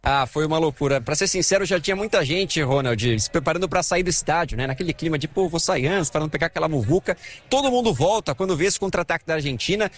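A man reporting live from a stadium, with a somewhat high voice. He talks in a lively, animated way and keeps addressing the host. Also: fast.

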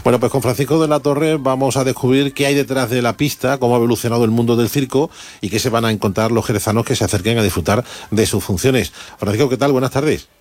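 A male radio host talks quickly in a polished, eloquent way. He reads his intro smoothly and then moves into the interview. His pitch sits in an ordinary middle range. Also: a little mellow. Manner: polished and eloquent when reading.

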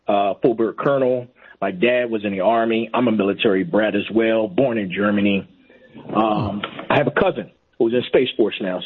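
Male caller over a tinny phone line, husky tone, earnest and repetitive. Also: fairly low pitch. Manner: earnest, repeats himself for emphasis. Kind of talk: call-in radio.

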